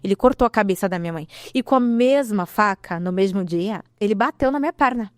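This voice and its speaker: Fast-talking woman telling her testimony. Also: medium pitch, no room sound. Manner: animated storytelling, acting out quoted dialogue. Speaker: guest giving a testimony. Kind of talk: emotional personal testimony.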